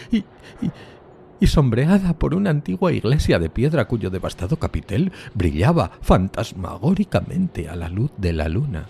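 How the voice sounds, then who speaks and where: A man's voice: mid-range voice, creaky, dark tone, slightly rough, full character voice. A man playing a solitary, tormented outcast, narrating a gothic horror audio drama in a solemn, theatrical, literary manner. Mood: awed, horrified.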